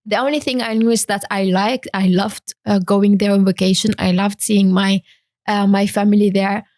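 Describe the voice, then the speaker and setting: Young woman from Syria, interview guest, halting delivery, dry sound. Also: medium pitch, fairly even intonation, a little mellow, no echo. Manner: hesitant, many fillers and restarts. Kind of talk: interview talk.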